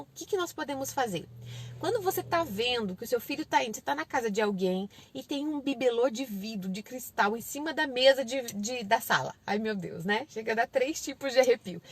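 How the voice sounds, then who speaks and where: A woman's voice: high voice, husky. A woman hosting a parenting channel, giving casual advice to parents and acting out sing-song lines spoken to a small child.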